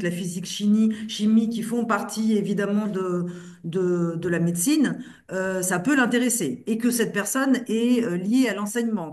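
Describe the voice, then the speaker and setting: A woman trainer explaining what a course covers, speaking haltingly with many fillers. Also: mid-range voice.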